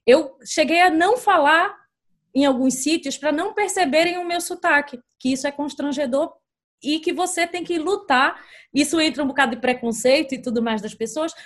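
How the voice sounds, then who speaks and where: A woman with a high-pitched voice and a Brazilian Portuguese accent. She talks in a conversational way, as a co-host discussing a subject with others.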